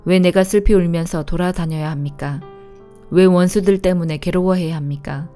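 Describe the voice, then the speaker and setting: Calm woman reading scripture over music. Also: fairly low pitch. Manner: steady, calm, measured reading. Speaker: Bible reader. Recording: soft instrumental music behind.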